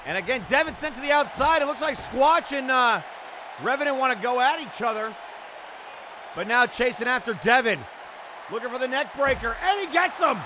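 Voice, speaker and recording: A man giving live play-by-play wrestling commentary with excited, exclamatory calls. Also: very high voice, normal speed. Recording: noisy event audio with loud crowd. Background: crowd and arena noise.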